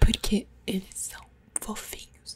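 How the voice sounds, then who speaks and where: Someone whispers at a very slow pace. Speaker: co-host. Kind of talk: casual ASMR-style chat. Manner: soft ASMR voice close to the mic. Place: home room. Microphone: studio mic.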